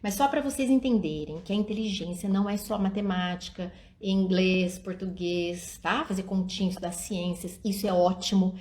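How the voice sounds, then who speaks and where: A middle-aged woman giving a live-stream talk outdoors at night, with a voice of ordinary medium pitch. She speaks to her viewers in an easy, conversational way, dropping into little acted lines of parents and children as she goes. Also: moderate pace, few pauses, a little mellow. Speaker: early childhood education speaker.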